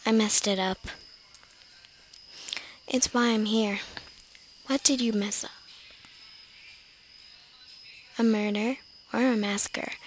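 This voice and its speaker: A woman's voice: a little high, close to an everyday voice. Woman acting young assassin, noisy home recording. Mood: regretful, casual. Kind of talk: amateur voice-over audition reading.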